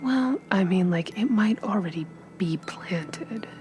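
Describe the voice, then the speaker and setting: A woman playing a down-on-his-luck male private investigator in a tabletop game, hushed, halting, defensive and evasive. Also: mid-range voice, animated, slight background noise. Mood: defensive, pleading.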